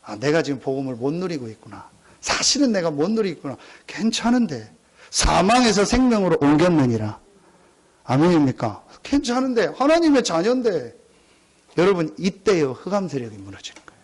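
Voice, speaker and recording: A man's voice: fairly high pitch, very animated, brisk. A middle-aged man preaching a sermon as pastor, emphatic and repetitive, often calling out to the congregation. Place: church sanctuary.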